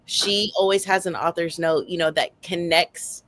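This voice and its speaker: A woman's voice: fairly low pitch, fairly even intonation, normal speed, fairly bright tone. A woman on a book club panel, chatting informally and giving her opinions. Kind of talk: casual chat.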